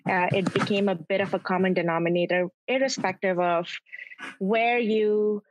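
A woman's voice: mid-range voice, fairly even intonation, moderate pace, noisy background. A woman in her thirties from Pakistan, a triathlete guest in a casual interview, speaking earnestly and reflectively and often searching for words.

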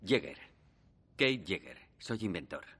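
A brash, sarcastic inventor in a dubbed film. His voice is bright and swings widely in pitch. Faint film music sits behind him. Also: very animated, measured pace, husky, heavily acted. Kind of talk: Spanish film dub.

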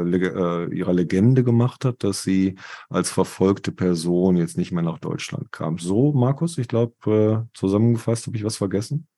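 Guy with a deep mellow voice, talks slow and measured, lots of uhs. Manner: slow, measured, with many fillers. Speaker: podcast co-host. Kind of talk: casual podcast discussion.

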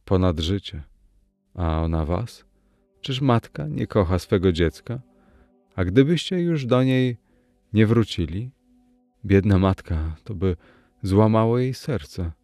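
A man's voice: lowish voice, lively intonation, takes it slowly, long pauses, warm tone, no echo, faint music behind. A man voicing a devoted, lovesick young painter in a storybook reading, speaking earnestly.

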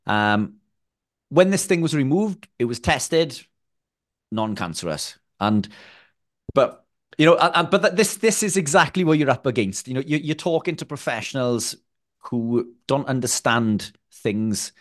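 A man talking as a podcast guest, recalling a family decision in a halting, casual way with many restarts. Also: medium pitch, lively intonation. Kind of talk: casual interview talk.

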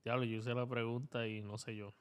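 A man's voice: medium pitch, level tone, brisk, clean tone. A man with a Puerto Rican accent bantering casually on a podcast in slangy, sweary Spanglish, mostly Spanish.

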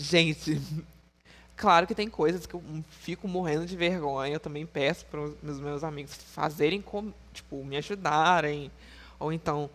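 A young man vlogging in casual, frank storytelling to his viewers, playful and quick to laugh. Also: fairly high pitch, a bit bright.

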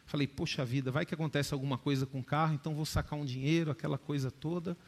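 A man preaching a sermon, with a voice pitched a little high for a man. He tells a story to his congregation, keeps calling them dear ones, and climbs to loud, lifted peaks of emphasis. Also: steady tone, quick pace. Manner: storytelling, addresses the listeners as "dear ones" again and again. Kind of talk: sermon testimony.

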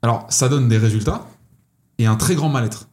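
A man's voice: medium pitch, moderate pace, darkish tone. Intense, insistent man talking. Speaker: podcast co-host. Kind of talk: casual podcast chat.

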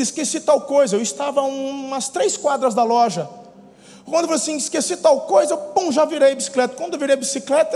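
A man with a Brazilian Portuguese accent, a pastor telling lively stories in a sermon, acting out scenes with shouts and laughter. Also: very high-pitched. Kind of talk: storytelling sermon. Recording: long hall reverb, faint noise.

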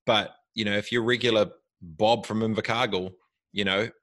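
Male interview guest, New Zealand accent, lowish pitch, casual thinking-aloud delivery with restarts, dry acoustic. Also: steady tone, normal speed, a bit bright, dry recording. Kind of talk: casual reflective conversation.

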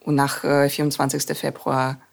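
A woman whose first language is Russian, a journalist and co-host, talking haltingly in casual podcast conversation with many restarts. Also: rumbling low, completely flat delivery, gravelly.

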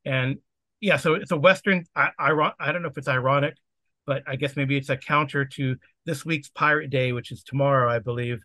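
A man's voice: medium pitch, steady tone, fairly quick, pushed and bright, dry recording. A man hosting and running a tabletop game, chatting casually over a video call, rambling with lots of fillers. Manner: rambling, with many fillers and restarts. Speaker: game master and podcast host. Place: home setup on a video call.

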